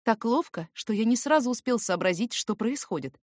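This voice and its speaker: A woman's voice: fairly high pitch, lively intonation, normal speed, no echo. Woman narrating an audiobook, very dry sound. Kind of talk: expressive scripted first-person story narration.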